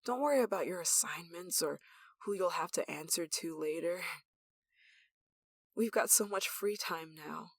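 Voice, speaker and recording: Female actor as obsessive yandere coworker-lover. Intimate ASMR drama, sweetly threatening, breathy delivery, very dry close sound. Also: fairly low pitch, a little slow, long pauses, dry recording. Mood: intimate, seductive. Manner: breathy sighs and chuckles, dropping to whispers. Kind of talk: intimate ASMR roleplay acting.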